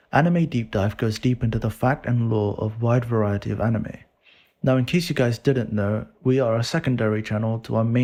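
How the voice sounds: The intonation holds fairly even. It is a natural reading voice.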